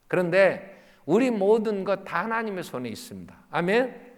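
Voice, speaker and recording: Fervent older pastor. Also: male voice, high voice, moderate pace. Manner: fervent, animated preaching with sudden shouts. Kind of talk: sermon. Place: church sanctuary. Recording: echoey church hall.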